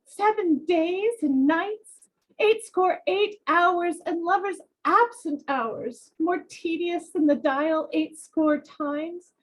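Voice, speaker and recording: A woman's voice: very high-pitched, takes it slowly. A woman reading the part of a lovesick, reproachful young mistress in Shakespearean verse, languid and complaining. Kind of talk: Shakespeare read-aloud, dramatic verse. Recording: dull lo-fi sound.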